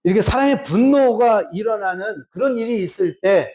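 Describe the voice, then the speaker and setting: In a church sanctuary, a male pastor delivers a slow, drawn-out sermon, acting out little exchanges of dialogue to make his points. His voice sits high, with lively intonation and a slightly mellow quality.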